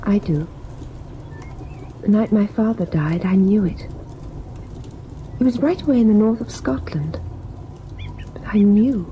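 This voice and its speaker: A woman's voice: mid-range voice, lively intonation, a little slow, pauses often, lightly acted. An actress playing a wistful, uneasy, girlish young wife in an old-time radio drama. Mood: uneasy, foreboding. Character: uneasy, childlike young wife, affectionate and whimsical. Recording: muffled old radio recording, faint noise.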